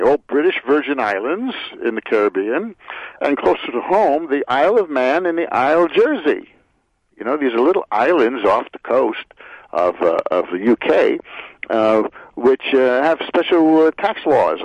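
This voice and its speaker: A man giving unscripted radio commentary, halting and full of filler sounds, cynical about politicians. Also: mid-range voice, no echo. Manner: halting, many filler "uh"s, rambling. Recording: dry muffled radio audio.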